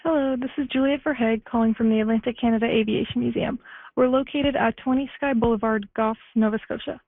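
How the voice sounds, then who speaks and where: Woman staffer reading an answering machine message, tinny phone sound, slightly high pitch, even scripted read. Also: fast talker, no echo. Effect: answering machine voicemail message played on air. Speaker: museum staff member calling in an event announcement. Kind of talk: read-out community announcement. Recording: tinny phone line voicemail.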